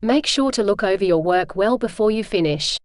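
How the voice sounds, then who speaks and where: A woman reading scripted practice sentences for dictation in a measured, neutral manner with careful enunciation. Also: mid-range voice, animated, no echo, clean studio sound. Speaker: test practice sentence reader.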